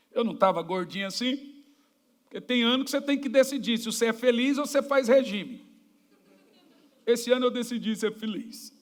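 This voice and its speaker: A Brazilian man preaching a sermon in church, his voice sitting unusually high. He tells jokey stories and acts out the people in them. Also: fairly bright tone. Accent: Brazilian Portuguese. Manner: storytelling, jokey, acts out quoted dialogue. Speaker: pastor.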